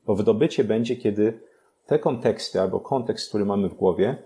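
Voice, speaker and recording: A young man, a podcast guest, explaining learning methods step by step, pausing on fillers and restarting his phrases. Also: lowish voice, warm tone.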